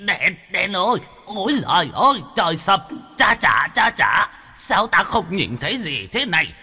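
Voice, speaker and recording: A pompous old lecher ghost. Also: male voice, wildly swooping pitch, slow pace, bright, forceful tone, in a large hall, soft background music, exaggerated voice. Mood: panicked wailing. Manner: pompous, calls himself the official; sleepy drawling mumble, then shrill wailing panic.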